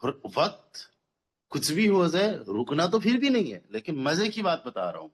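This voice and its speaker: A man in his thirties talks as a team leader pitching a business, his voice sitting a little higher than most men's. He is persuasive and keeps repeating phrases to drive a point home, sprinkling English words through his talk. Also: sing-song, moderate pace. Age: 30s. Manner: mixes English words into Hindi. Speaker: network marketing team leader.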